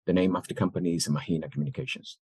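Low-voiced man, dry close mic. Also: fairly even intonation, rapid-fire, darkish tone, breathy edge, no room sound. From El Salvador. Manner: thoughtful, with many fillers and restarts. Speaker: guest, business owner. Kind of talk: interview answers.

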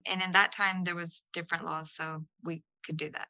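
A woman's voice: fairly low pitch, flat delivery, brisk, sharp tone, dry recording. A woman guest on an interview podcast, answering in a chatty way with restarts and casual fillers. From El Salvador, raised in Houston.

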